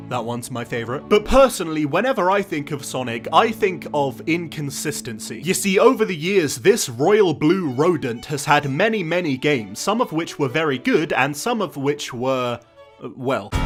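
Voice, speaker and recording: With music in the background, the voice makes very wide pitch swings and hardly any pauses. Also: man, fairly high pitch for a man, moderate pace. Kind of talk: comedic game review.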